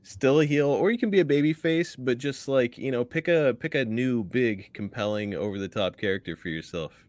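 A man's voice: medium pitch, normal speed, few pauses, a little mellow, no echo. A man in his thirties co-hosting a podcast, chatty and laughing, acting out quotes as he asks questions. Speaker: podcast co-host. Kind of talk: casual podcast interview.

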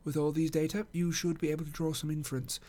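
A man voicing an assured, analytical gentleman detective in an audiobook, speaking in a precise, dry, instructive manner. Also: fairly high pitch, little pitch movement, quick pace, voice pushed up, lightly acted. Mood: calm, analytical. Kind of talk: audiobook character acting.

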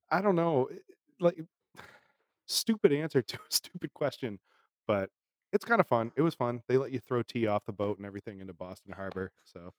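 A man's voice: medium pitch, dry recording, clean studio sound. A man from Massachusetts co-hosting a podcast in casual chat, telling stories in a rambling way and laughing often. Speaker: podcast co-host.

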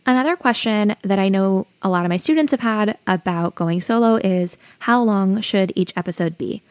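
A young adult woman with a soothing voice, hosting her own podcast and calmly giving friendly advice like a teacher. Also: medium pitch, no room sound. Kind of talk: solo educational podcast talk.

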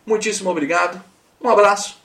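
Brazilian male podcast host, emphatic, direct address, gravelly, slightly off-mic. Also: high voice, steady tone, quick pace, fairly bright tone, distant mic, slight background noise. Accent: Brazilian Portuguese. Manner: emphatic, talks straight to the listener. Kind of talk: podcast monologue.

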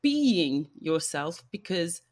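A woman's voice: lowish voice, sing-song, takes it slowly, a little mellow. Reflective woman host, storytelling. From Nigeria. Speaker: podcast host. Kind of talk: conversational interview.

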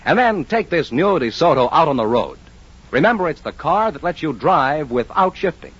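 Eager announcer man with a lively pitch. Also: breathy edge. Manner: bright, eager sales delivery. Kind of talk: announcer reading ads and rules. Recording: muffled old radio broadcast.

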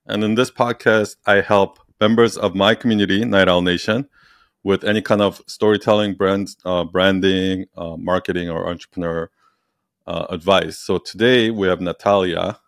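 A man's voice: sits low, fairly even intonation, moderate pace, gravelly, no echo, clean studio sound. A man hosting a podcast conversation, talking loosely with lots of "like" and restarts. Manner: loose and rambling, full of "like" and restarts. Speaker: podcast host.

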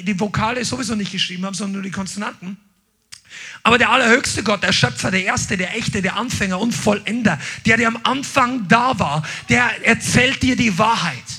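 High, bright, gravelly-voiced male preacher. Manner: impassioned, swings from loud declarations to quick quiet asides; drops in English words. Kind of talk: sermon.

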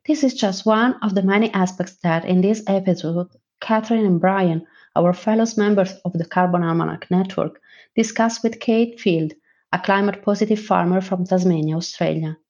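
Woman presenter, measured read intro, a bit lo-fi. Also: medium pitch, a little mellow. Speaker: podcast presenter. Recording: slightly dull recording.

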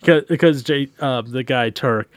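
A man's voice: medium pitch, measured pace, dry recording. A man chatting casually as a podcast co-host, dry and sarcastic in his remarks. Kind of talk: casual chat.

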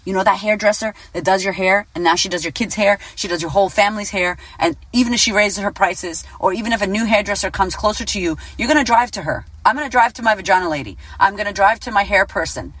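A woman's voice: mid-range voice, fast, hardly any pauses, slightly rough, no room sound, poor audio. Blunt, swearing woman in her thirties. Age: 30s. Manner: blunt, swears freely, animated. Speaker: business coach and podcast host. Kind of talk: casual motivational monologue.

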